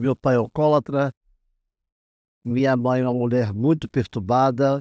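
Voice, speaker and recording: Over a quiet background, a man speaks at a medium pitch and a fairly slow pace. His intonation stays fairly even, and the sound is dry and close with no echo. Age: 60s. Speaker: pastor. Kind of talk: testimony. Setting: studio.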